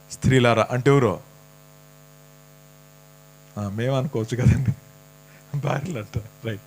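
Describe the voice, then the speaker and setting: A man preaching a sermon in a church, talking casually and teasing the congregation with questions. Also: medium pitch. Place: church hall.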